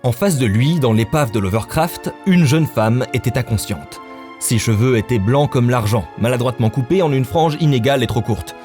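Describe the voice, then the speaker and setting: A man's voice: medium pitch, animated, normal speed, darkish tone. A male narrator with a mid-range voice tells a scripted adventure story in a dramatic style. Faint music plays underneath him.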